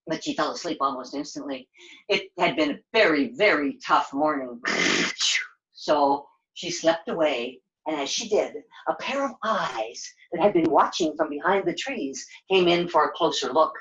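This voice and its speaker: A woman's voice: deep voice, animated, moderate pace, fairly bright tone, highs cut off. A woman puppeteer narrating a children's story in a storytelling style.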